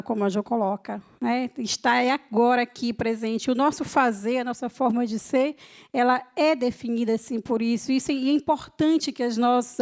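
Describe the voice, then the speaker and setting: A woman's voice: a little high, darkish tone. A woman moderating a panel discussion, speaking reflectively and often restarting her words. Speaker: moderator of the talk.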